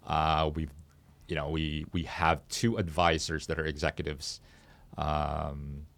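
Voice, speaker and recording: A man speaking as an interview guest and startup founder, explaining his business in a conversational, halting and measured way in a studio. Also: a bass voice, little pitch movement, creaky, a bit bright, no room sound.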